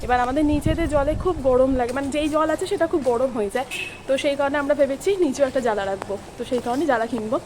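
A woman's voice: high voice, very fast. A young woman vlogging her day in a chatty way, mixing in English words, filmed on a phone at home and on busy streets. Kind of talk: casual daily vlog chat. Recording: noisy street and room background.

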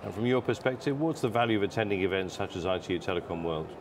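Stumbling interviewer with a lowish male voice. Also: lively intonation, fast, background noise. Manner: stumbling, repeating words while forming questions. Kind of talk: conference interview. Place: exhibition booth studio set.

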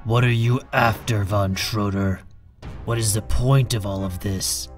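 A man's voice: fairly low pitch, steady tone, unhurried, soft background music, natural voice. A man playing a cold, proud, defiant hero in an audio drama, speaking with curt, controlled contempt. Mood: contemptuous. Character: cold, proud, defiant man guarding his younger brother. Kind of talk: fan audio drama acting.

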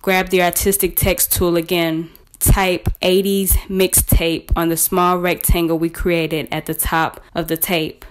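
A woman presenting a scripted step-by-step software tutorial in a measured, instructional way. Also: on the low side, level tone, clear, resonant tone.

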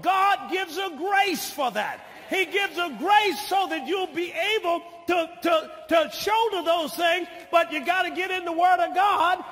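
An older man preaching a sermon as pastor, teaching slowly and deliberately, then building to shouted lines and calls for amen. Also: very high voice. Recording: long hall reverb of a church.

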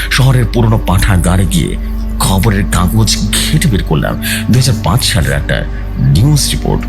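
A man's voice: on the low side, vocal fry. A man telling a horror story in dramatic first-person narration, with suspenseful, theatrical phrasing. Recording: music bed behind the voice.

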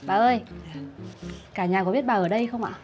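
A woman's voice: medium pitch, brisk, darkish tone, dull audio, faint music behind, close to an everyday voice. An actress playing a polite young woman, speaking deferentially to an elderly woman. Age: young adult. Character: polite young woman caring for her fiancé's grandmother. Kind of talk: TV drama acting.

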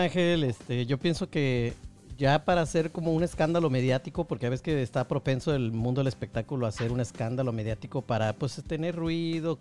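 A man's voice: a little high, darkish tone. A man commenting as an entertainment expert on a video call, hesitant with many restarts. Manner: hesitant, restarts, uses "este" and "pues".

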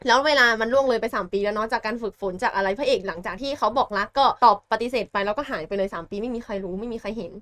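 A woman co-hosting a podcast, retelling a novel in an animated, slangy, blunt way. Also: a little high, rapid-fire, hardly any pauses, no echo. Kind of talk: casual chat.

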